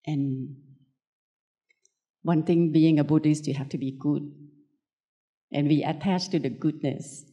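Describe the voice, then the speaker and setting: A Thai woman speaks as a Buddhist nun giving a spiritual teaching, with a Thai accent in her English. Her voice is low and mellow, and she moves slowly through short, simple phrases. The delivery is gentle and unscripted. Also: fairly even intonation, muffled recording. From Thailand.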